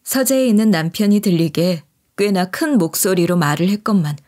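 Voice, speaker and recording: A woman's voice: on the low side, moderate pace. Woman reading out a juicy story, lots of up and down in her voice, really dramatic. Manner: expressive, acts out angry quoted lines. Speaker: story narrator. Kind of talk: dramatic storytelling of a listener's tale.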